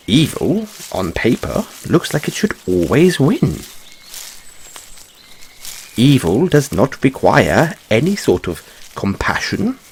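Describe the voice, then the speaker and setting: A man's voice: on the low side, a little hiss or hum, heavily acted. A man voicing a curious, fussy white rabbit boy in a fantasy audio roleplay, musing theatrically with quaint, questioning phrasing. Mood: pondering, theatrical.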